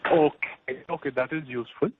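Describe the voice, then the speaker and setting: A man's voice: a little high, a little fast. A man asking polite analyst questions on a conference call over the phone. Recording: tinny phone line with faint noise.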